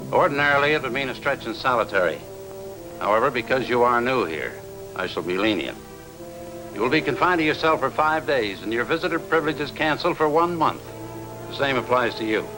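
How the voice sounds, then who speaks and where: A man's voice: mid-range voice, natural voice, rough recording. A middle-aged male actor playing a stern prison warden, formal and authoritative, in a 1950s screen drama. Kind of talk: 1950s black-and-white screen drama acting.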